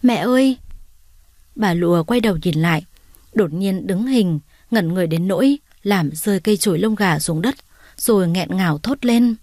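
A woman's voice: fairly low pitch, normal speed, a little mellow, no room sound, clean studio sound. Woman narrating a heartfelt story.

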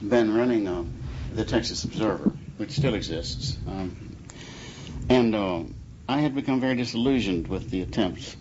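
A man talking reflectively in an interview, hesitant and pausing often. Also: lowish voice. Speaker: interviewee, former journalist. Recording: muffled recording with clear noise.

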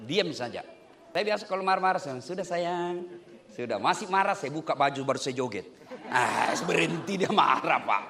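A man's voice: a little high, fairly quick, creaky, a crowd in the background. A man preaching a humorous sermon on marriage, joking with the congregation as he goes. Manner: joking, lively delivery with playful asides to the congregation.

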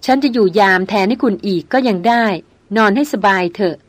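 A proud young noblewoman, headstrong and firm, who keeps insisting on getting her way, as a woman reader voices her. Her mid-pitched voice sounds dry and close, with no room around it. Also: brisk, no echo, lightly acted. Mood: cool.

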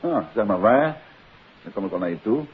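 Radio drama: urbane amateur detective, Dutch, dryly amused, expressive delivery, dull hissy vintage sound. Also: male voice, on the low side, normal speed, slightly rough. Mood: composed, courteous. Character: composed, wry gentleman amateur detective. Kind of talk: 1950s radio play acting.

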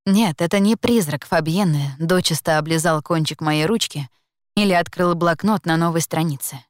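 A woman reads a first-person story in a calm, measured way, her voice sitting a little low. The sound is dry and close, with no room around it. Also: dry recording. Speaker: audiobook narrator. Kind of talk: scripted first-person narration.

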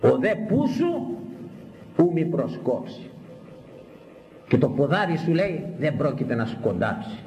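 A man preaching a sermon, repeating words for emphasis and swinging between high exclamations and low, grave phrases. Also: very animated, pauses often, dark tone. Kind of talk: sermon on a Bible passage. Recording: echoey hall, faint background noise.

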